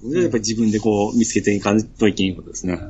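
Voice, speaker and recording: A man co-hosting a casual podcast, soft-spoken and giggly. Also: fairly low pitch, fast, slightly rough, lo-fi sound. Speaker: co-host guest. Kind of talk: casual chat.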